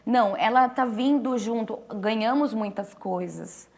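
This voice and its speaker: Woman calmly explaining sign language. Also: a little high, unhurried. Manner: explanatory, with frequent restarts and fillers. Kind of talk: conversational explanation.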